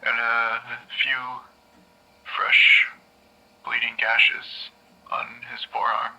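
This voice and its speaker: An actor playing a shaken young man recounting a trauma on a tape recording, halting and stammering, sometimes dropping to a whisper. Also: medium pitch, completely flat delivery, bright, forceful tone, full character voice, poor audio. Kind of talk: audio drama narration.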